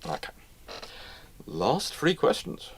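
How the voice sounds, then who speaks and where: A man's voice: on the high side, huge pitch swings, slow pace, breathy edge. A man hosting a live question and answer session, talking informally and knowledgeably, often restarting and repeating his phrases. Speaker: host answering audience questions. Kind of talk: live Q&A, casual history talk.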